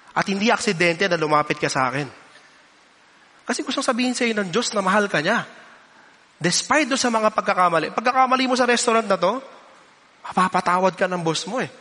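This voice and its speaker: A man preaches to a congregation with a high, bright voice, telling stories and acting out the people in them as he goes. His sermon rings through a big hall with a long reverb. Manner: storytelling, switching between English and Filipino, acts out quoted voices. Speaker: pastor.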